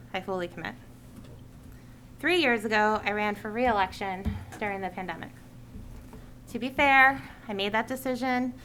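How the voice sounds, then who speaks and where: A woman's voice: mid-range voice, sharp tone, a little hiss or hum, rough recording. Woman giving an earnest meeting speech. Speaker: school committee chair. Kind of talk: prepared farewell speech at a public meeting.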